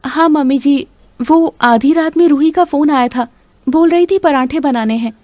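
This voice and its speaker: A woman's voice: high-pitched, normal speed, a little mellow, no room sound, lightly acted. Woman voicing a young earnest daughter-in-law. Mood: puzzled. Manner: polite, pleading, earnest. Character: patient young daughter-in-law, hurt but firm. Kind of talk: animated storybook voice acting.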